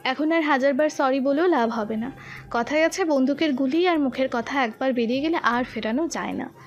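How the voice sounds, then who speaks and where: A woman narrates a romantic audio story in a high, clear voice. Her delivery is steady and expressive, with soft music playing faintly underneath. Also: moderate pace, lo-fi sound.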